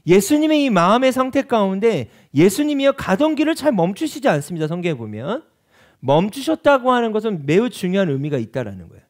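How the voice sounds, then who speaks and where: Animated high-pitched Korean pastor preaching. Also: male voice, a little fast. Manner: animated preaching with rhetorical questions to the congregation. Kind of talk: sermon. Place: church.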